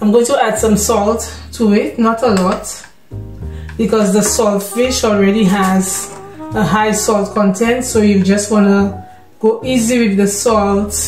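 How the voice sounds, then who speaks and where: A woman's monotone, flat delivery at a fairly slow pace, with very even loudness, audible room echo and faint music in the background. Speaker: home cook vlogger. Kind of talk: cooking tutorial. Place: kitchen.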